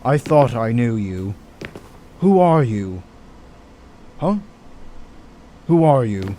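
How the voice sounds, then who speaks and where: A man's voice: mid-range voice, very animated, slow, warm tone, slight background noise. Stern, reproachful male hospital doctor played by an actor. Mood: hurt, accusing. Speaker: voice actor in an audio drama. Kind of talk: audio drama acting.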